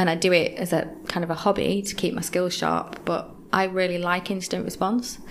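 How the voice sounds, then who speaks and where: Noticeable background noise surrounds a woman talking at a moderate pace. Her fairly low voice keeps fairly even intonation. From Yorkshire, northern England. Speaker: security company founder. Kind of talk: interview.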